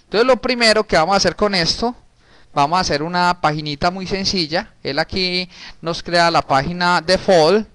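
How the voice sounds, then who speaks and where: A man's voice: sits high, moderate pace, a bit bright, no echo. Casual man teaching code. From Colombia. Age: 30s. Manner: casual, talks while typing, frequent restarts and diminutives. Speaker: programming teacher. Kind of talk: recorded screen-share coding lesson.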